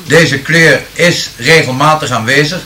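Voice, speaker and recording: This man has a fairly high, pushed, bright voice, and there's slight background noise. He responds to audience questions in a careful, measured manner and then delivers improvised rhymes, now and then hesitating with fillers.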